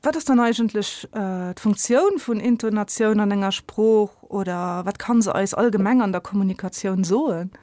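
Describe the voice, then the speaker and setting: Woman radio host, Luxembourgish accent; hesitant, friendly questions, mid pitch, close dry sound. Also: moderate pace, hardly any pauses, warm tone, no echo. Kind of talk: studio interview, asking questions. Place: radio studio.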